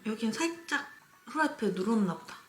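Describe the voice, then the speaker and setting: A woman with a fairly high, expressive voice chats quickly with viewers during her mukbang, chewing as she talks and frequently speaking through a full mouth. Soft, appreciative asides about the food pop up throughout. The recording sounds echoey, with faint background noise and clicks.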